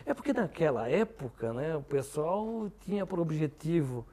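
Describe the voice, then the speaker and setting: A male interview host speaks in a conversational way. His voice sits a little higher than most men's as he puts questions to a guest. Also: very animated, moderate pace, dark tone.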